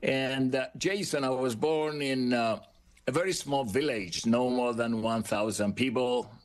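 An older man with a Greek Cypriot accent, a guest author telling his life story in an interview, measured and reflective, pausing often on "uh". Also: medium pitch. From Cyprus. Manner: measured, reflective, frequent "uh" pauses.

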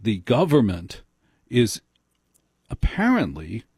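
A man's voice: medium pitch, huge pitch swings, takes it slowly, darkish tone, husky, no room sound, studio quality. An American man hosting a live call-in radio show, chatting casually and explaining things courteously. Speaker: radio talk show host. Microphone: close studio broadcast mic.

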